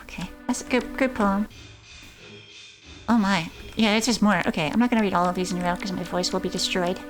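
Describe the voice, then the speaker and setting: A woman's voice: mid-range voice, a little fast. A woman streaming a game, casually commenting and reading on-screen poems aloud. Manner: reads in-game poems aloud, chats to chat. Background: game music and insect sounds.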